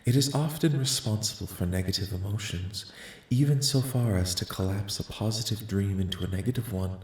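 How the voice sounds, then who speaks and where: A man voicing a curious, polite, detached alien researcher in a soft-spoken ASMR roleplay, questioning in formal, clinical, measured phrases. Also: natural voice. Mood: calm, curious. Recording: echoing voice with faint rumbling noise.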